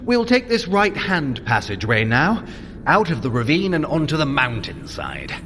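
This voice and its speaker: An actor playing a cocky, smooth-talking trickster god in an audio drama, with a sardonic, wordy and wheedling manner. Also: male voice, on the high side, huge pitch swings, moderate pace, fairly bright tone, a little hiss or hum. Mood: confident, wry.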